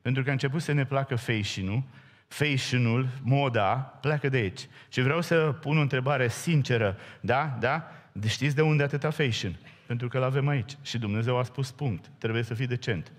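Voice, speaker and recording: A man preaching a sermon in a church, telling a Bible story with lively acted-out dialogue and direct questions to the congregation. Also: medium pitch. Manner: animated storytelling, acting out biblical dialogue in raised voice. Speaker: pastor. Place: church hall. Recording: church hall reverb.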